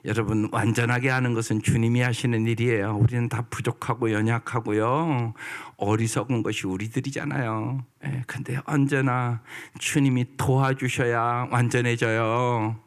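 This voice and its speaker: A male pastor giving a sermon in a church, lively and often prodding the congregation for answers. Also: mid-range voice, normal speed, hardly any pauses. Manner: lively, prods the congregation for responses. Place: church sanctuary.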